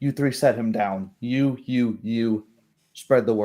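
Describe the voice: Plain reading aloud over a quiet background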